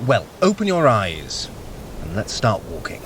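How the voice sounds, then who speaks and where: An actor playing a sly, haughty trickster god in an audio drama, sardonic, clipped and impatient. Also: male voice, fairly low pitch, wildly swooping pitch, unhurried, a bit bright, slight background noise, exaggerated voice. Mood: instructing, superior.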